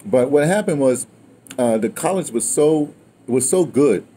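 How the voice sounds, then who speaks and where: Standing outside by a house with a wooden awning, a guest in his sixties from America tells stories about his time in radio. He speaks in a mid-range, unhurried voice, animated yet rambling and digressive, frequently ending lines with "right?" or "you know." Clear ambient outdoor sound runs in the background.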